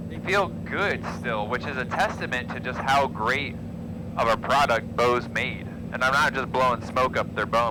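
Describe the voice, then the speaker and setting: A man's medium-pitched voice with ordinary pitch variation, noticeable background noise behind it. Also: moderate pace. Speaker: pilot and aviation video host. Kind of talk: casual in-flight product review. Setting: cockpit of small plane in flight. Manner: soft-spoken.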